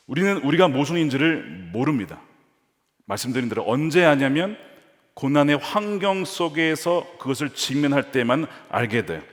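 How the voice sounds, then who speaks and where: A man preaching a sermon as pastor, asking the congregation rhetorical questions and swinging between emphatic lines and hushed ones. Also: a little high. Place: large church sanctuary. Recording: long hall reverb of a church.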